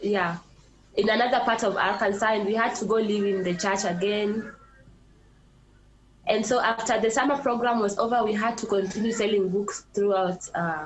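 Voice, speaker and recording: A woman with a Kenyan accent speaks at a fairly high pitch with fairly even intonation. Audible room echo and noticeable background noise fill the recording. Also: moderate pace, very even loudness. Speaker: migrant telling her life story. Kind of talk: interview testimony.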